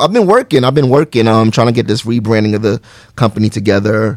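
In a New York accent, a man talks at a fairly quick pace with ordinary pitch variation. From Brooklyn, New York. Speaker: podcast host. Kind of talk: casual chat.

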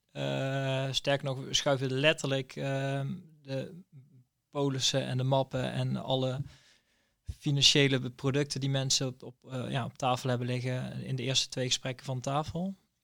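The speech moves at a fairly slow pace in a flat monotone. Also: man, medium pitch for a man. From Netherlands, North Brabant. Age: 30s. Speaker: financial planner. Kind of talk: interview. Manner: halting.

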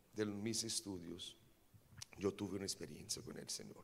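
A man talks with a Portuguese accent. Room echo is audible. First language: Portuguese (speaking Spanish). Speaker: pastor. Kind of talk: sermon. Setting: church.

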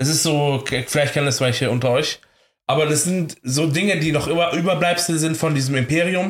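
At a fairly quick pace, a man with a somewhat breathy, fairly high voice and fairly even intonation speaks in a very clean recording with a silent background. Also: very even loudness. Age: 30s. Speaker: podcast co-host. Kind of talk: casual chat.

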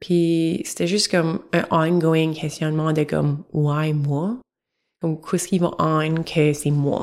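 A woman's very deep, low voice at a very slow pace, with very even loudness and fairly even intonation. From New Brunswick, Acadian (Dieppe/Moncton area). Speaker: therapist. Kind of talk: casual interview conversation.

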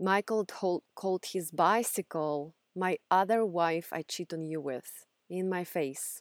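A woman talks at a fairly slow pace in a fairly low pitch with ordinary pitch variation, the sound dry and close with no echo. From Russia. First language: Russian. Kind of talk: personal testimony with poetry reading.

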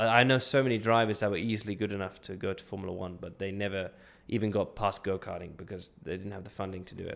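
Very fast speech from a man with a fairly low voice, fairly even intonation and big swings in loudness, on a very clean recording with a silent background. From London, England. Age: 20s. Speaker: racing driver. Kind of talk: interview.

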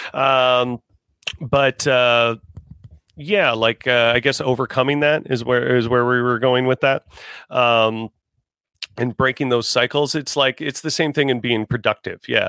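Using a bright, sharp tone at a medium pitch, a man with a Canadian accent speaks at a fairly slow pace with long, frequent pauses, fairly even intonation and very even loudness, in a dry, close sound with no echo. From Canada, Hamilton, Ontario. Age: 30s. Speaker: musician and internet show host. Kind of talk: casual interview.

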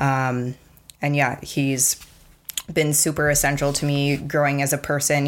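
This woman speaks with a Canadian accent at a moderate pace, her pitch very deep and low. Noticeable background noise sits behind her. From Canada, rural Alberta. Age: 20s. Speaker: podcast host. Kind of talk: casual monologue.

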